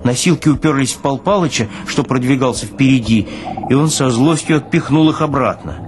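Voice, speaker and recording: A man's voice: medium pitch, brisk, music in the background. Male actor reading literary prose expressively.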